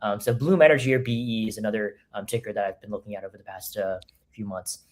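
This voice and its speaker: A man's voice: fairly low pitch, steady tone, fast talker, a little mellow. A man as a guest trader, talking casually and hesitantly with many ums and restarts. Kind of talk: casual discussion.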